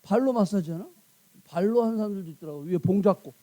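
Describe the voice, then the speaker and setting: A woman's voice: mid-range voice, quick pace, dark tone. A woman pastor preaching a sermon in a church, emphatic and full of rhetorical questions to the congregation.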